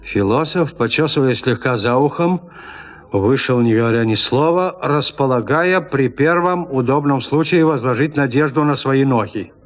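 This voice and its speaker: A man narrating a classic story in a radio play, reading in a measured, expressive literary way. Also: a little high.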